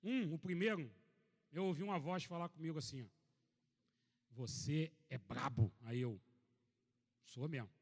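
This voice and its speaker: Brazilian preacher, joking and animated. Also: male voice, a little high, measured pace, gravelly, pauses often, long reverb tail. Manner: animated, joking storyteller, reads scripture aloud. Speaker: pastor. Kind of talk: sermon with humorous personal story. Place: church meeting hall.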